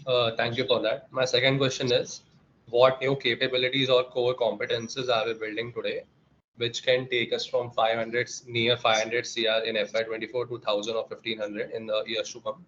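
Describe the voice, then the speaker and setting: A male analyst puts questions in a business-call style. His mid-pitched voice sounds dull on the conference line, with faint noise behind it. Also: level tone, moderate pace, fairly bright tone. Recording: dull, slightly noisy conference call audio.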